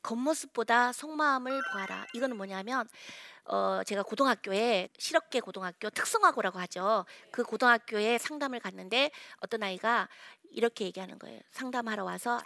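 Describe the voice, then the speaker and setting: A woman counselor giving an earnest talk to parents, swinging between loud urging and hushed storytelling. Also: on the high side, vocal fry, slight background noise.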